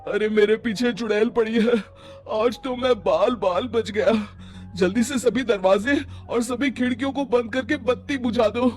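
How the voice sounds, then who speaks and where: A man playing a timid, panicky village farmer in an animated story, pleading and exclaiming in fright, with music behind. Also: very high-pitched, unhurried. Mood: panicked.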